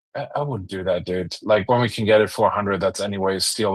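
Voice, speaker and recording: Against a quiet background, a man with a German accent talks at a fairly low pitch. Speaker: land investing coach. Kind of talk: live deal review call. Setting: video call. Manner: casual, filler-heavy.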